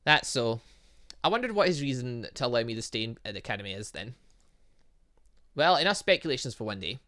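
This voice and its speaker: A gaming video host plays through a story game, reading its dialogue aloud with casual asides, often stumbling over words and correcting himself. His voice is medium-pitched, sing-song, brisk, pushed and bright.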